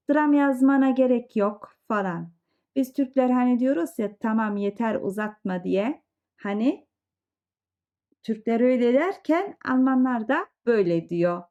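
A woman's voice: a little high, warm tone. A woman teaching a language lesson, explaining example sentences with conversational asides. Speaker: German teacher. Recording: dull lo-fi sound.

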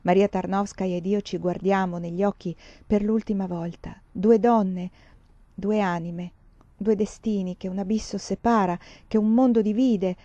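A woman reading a novel aloud in a theatrical way, rising to loud outbursts and sinking to hushed tones. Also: medium pitch, no room sound, lo-fi sound. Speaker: audiobook reader. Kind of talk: dramatic audiobook narration.

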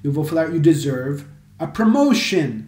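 A native English-speaking man teaches a language lesson, drilling each example phrase over and over at an unhurried pace. His voice sits fairly high for a man. The room has a noticeable echo. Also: big pitch swings, darkish tone. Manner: slow, emphatic, repeats example phrases for drill. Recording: echoey room.

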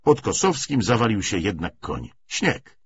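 A man reading a novel aloud as an audiobook narrator, expressive and giving voices to the characters. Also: deep voice, moderate pace, dull audio, slight background noise.

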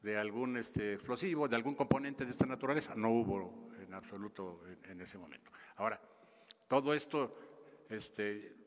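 A Mexican man in his seventies answering press questions in a halting, emphatic way, often repeating himself. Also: fairly low pitch. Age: 70s. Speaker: government official at press conference. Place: large indoor press conference hall. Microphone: podium microphones. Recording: reverberant hall, podium microphone.

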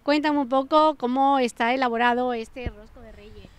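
A woman's voice: on the high side, normal speed, clean tone. A middle-aged woman interviewing a chef outdoors with a handheld mic, chatty and full of fillers. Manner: chatty, many fillers and restarts. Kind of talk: casual interview. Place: outdoor garden of a restaurant. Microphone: handheld microphone.

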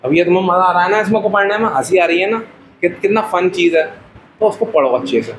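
A man's voice: high voice, quick pace, noisy background. A young man teaching Russian to a class, patient and joking, often calling his students "beta" as he drills the letters.

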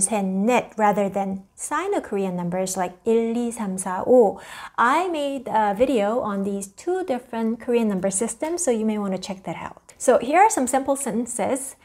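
A woman in her thirties with a slightly high voice explains language patterns to learners. She is patient and clear, slowing down whenever she translates an example. Close lapel-mic sound from a small indoor studio. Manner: patient, explanatory, slows down for English glosses. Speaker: Korean language teacher. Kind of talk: online language lesson.

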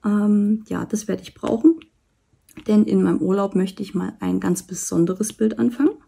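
A woman vlogger chatting casually while she does a diamond painting, rambling with many fillers and soft asides. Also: medium pitch, steady tone, normal speed, creaky, slightly rough. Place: indoors at a table. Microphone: camera over the work table, hands seen.

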